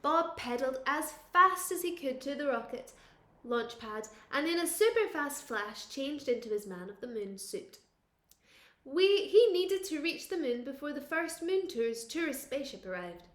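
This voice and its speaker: A woman, a primary school teacher, reading a picture book to young children expressively, with dramatic pauses and questions to her listeners. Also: high voice, very animated, a bit bright, roomy sound.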